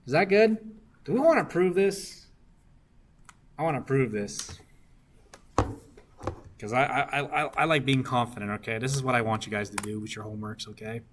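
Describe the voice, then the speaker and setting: A man's voice: medium pitch, expressive, moderate pace, pauses often, slight background noise. A young man working circuit homework problems for a class, often asking "right?" to check that students follow. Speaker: engineering discussion instructor.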